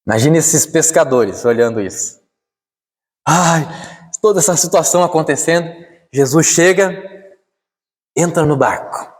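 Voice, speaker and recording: A man with a Brazilian Portuguese accent preaching a sermon, dropping to slow, hushed lines and then climbing high and urgent. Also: lively intonation, long reverb tail.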